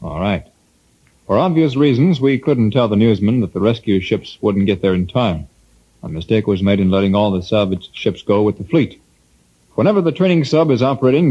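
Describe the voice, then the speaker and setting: A cautious, official navy commander who speaks in a matter-of-fact way. His voice is low and husky with a dark tone. The old broadcast sounds dull. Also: moderate pace. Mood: guarded. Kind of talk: 1950s radio drama acting.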